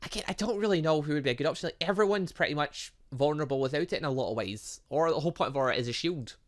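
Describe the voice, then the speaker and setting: A man's voice: on the high side, very fast. A man reading visual novel dialogue aloud as a gaming host, breaking off into casual asides and exclamations.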